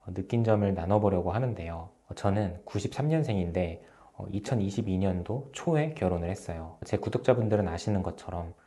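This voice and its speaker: A man in his thirties, a relationship counselor, calmly giving advice to his viewers, with frequent filler sounds between phrases. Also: deep voice, a little fast, few pauses. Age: 30s. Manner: calm, steady explaining with frequent "uh" fillers. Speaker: relationship counselor and channel host. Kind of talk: advice talk to camera.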